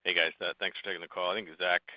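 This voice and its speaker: A man's voice: sits low, little pitch movement, rapid-fire, no room sound. A man calling in as an investor to ask questions on an earnings call, with casual, rambling phrasing and slightly muffled phone sound. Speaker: investor caller asking questions. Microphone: telephone.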